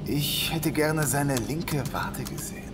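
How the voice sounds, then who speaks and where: A man's voice: a little high, slow pace, music in the background. A young man acting in an audio drama as a dogged police inspector on a spaceship. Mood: inquisitive.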